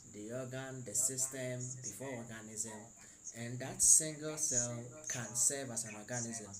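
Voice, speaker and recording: At a fairly slow pace, a man with a medium pitch and fairly even intonation speaks through noticeable background noise and audible room echo. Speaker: teacher. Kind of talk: lecture. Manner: soft-spoken. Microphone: too quiet for some listeners.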